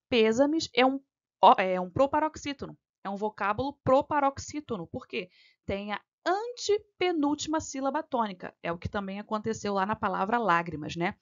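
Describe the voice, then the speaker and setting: A woman's voice: fairly high pitch, highs cut off. A woman teaching for exam prep, walking step by step through a grammar question and checking in often with her listeners. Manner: frequent "tá?" and "né?" checks, patient step-by-step explaining.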